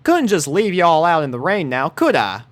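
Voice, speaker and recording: A man's voice: a little high, very animated, moderate pace, dry recording, voice pushed up. A man voicing a kindly, motherly country farm pony mare with a folksy Southern drawl. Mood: warm. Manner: folksy, drawling, coos baby talk.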